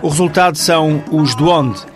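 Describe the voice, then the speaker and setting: Higher-voiced man narrating. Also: normal speed. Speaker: presenter and narrator. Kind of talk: scripted TV magazine narration. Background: music.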